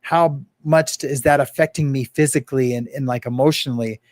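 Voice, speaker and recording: A man speaking as an interview guest in casual talk, earnest and open, halting with many fillers and restarts. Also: medium pitch, steady tone, no room sound. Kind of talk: casual interview talk about personal experience.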